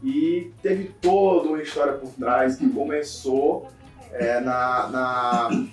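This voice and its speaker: A man, interviewing a fighter in a relaxed, chatty way. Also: medium pitch, takes it slowly, recorded from a distance. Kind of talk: casual interview. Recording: roomy, off-mic with music behind.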